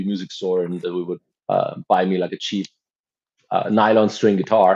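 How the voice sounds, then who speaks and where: The sound is dry and close with no echo. A man with a German accent speaks at a fairly low pitch in a monotone, flat way. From Germany. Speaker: metal bassist. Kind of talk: casual interview chat.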